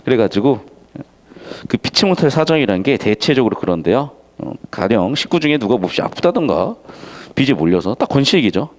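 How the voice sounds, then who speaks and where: Male teacher, casual lecture, lively swooping pitch, acts out story lines. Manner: casual, animated, acts out characters' lines in quick asides. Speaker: Korean literature teacher.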